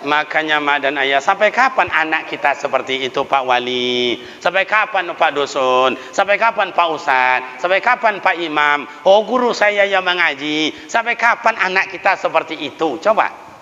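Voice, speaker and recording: Preacher man, high bright voice, jokey storytelling sermon, echoey dull recording in a big hall. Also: lively intonation, moderate pace, slight background noise. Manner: humorous storytelling with folksy asides, addressing elders directly. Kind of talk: lively village sermon. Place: mosque. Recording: reverberant hall sound, dull lo-fi.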